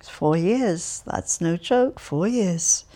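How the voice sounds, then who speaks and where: A woman's voice: fairly low pitch, animated, extremely slow, dark tone, full character voice. A woman reading an audiobook, voicing an impatient, irritable young man who answers curtly and grumbles. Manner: curt, grumbling.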